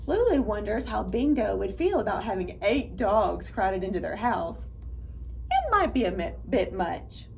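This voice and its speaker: Female children's storytime reader, lively pitch swings, gravelly creak at times, talks straight to kids. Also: a little slow, a little hiss or hum. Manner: animated, addresses young listeners directly. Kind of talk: read-aloud children's storytime.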